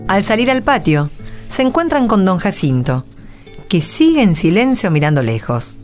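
A woman's voice: medium pitch, sing-song, normal speed. A woman reading scripted narration for a radio play. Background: music.

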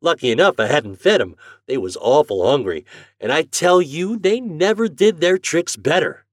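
A man's voice: a little high, animated, moderate pace, dry recording, clean studio sound, voice pushed up. A man voicing an eager, jolly farm boy in a storybook, speaking in rustic old-time country dialect. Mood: eager, boastful. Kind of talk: storybook character voice.

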